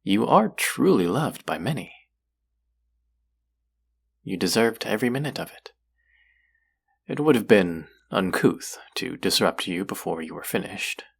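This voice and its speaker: A man playing a courtly, possessive demon in a roleplay audio drama, speaking formally and deliberately in a husky, gravelly voice. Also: sits low, a bit bright, full character voice. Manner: formal, slow, deliberate, coaxing. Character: possessive, courtly male demon who hungers for hearts. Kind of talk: scripted roleplay audio drama addressed to the listener.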